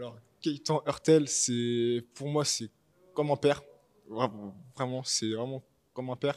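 A man at medium pitch talks at a fairly slow pace with long, frequent pauses, fairly even intonation, and a dry, close sound with no echo. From France. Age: 20s. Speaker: MMA fighter. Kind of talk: interview. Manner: halting.

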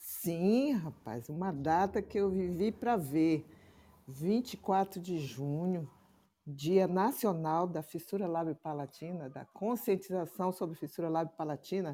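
Speaking at a very slow pace, a woman uses a fairly low pitch and a dark, mellow tone. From Santarém, Pará, northern Brazil. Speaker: retired social worker. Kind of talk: casual chat.

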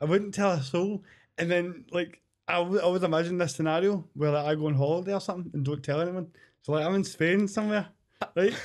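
Speaking very fast with a Scottish accent, this voice keeps a fairly even intonation over a very clean recording with a silent background. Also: man, high pitch for a man. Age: 20s. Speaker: podcaster guest. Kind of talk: casual chat.

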